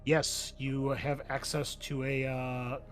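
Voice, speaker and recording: A man's voice: mid-range voice, little pitch movement, slow. A man talking casually as game master, explaining options to players in a hesitant, explanatory way. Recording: background music behind the voice.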